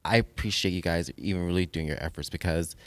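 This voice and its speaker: Deep-voiced male podcast host. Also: steady tone, quick pace, a bit bright, dry recording. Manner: encouraging, affirming interjections. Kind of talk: casual panel chat.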